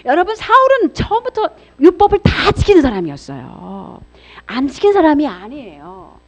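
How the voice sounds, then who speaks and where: A middle-aged woman, a pastor's wife, giving an expressive church seminar sermon, swinging between loud and hushed as she acts out voices. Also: sits high, normal speed. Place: church hall. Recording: dull lo-fi sound.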